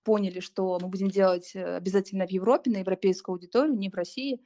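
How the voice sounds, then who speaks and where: A woman startup founder in a casual interview, talking with many pauses, fillers and restarts. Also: mid-range voice, steady tone, warm tone. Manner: hesitant, many fillers and restarts, occasional laughs.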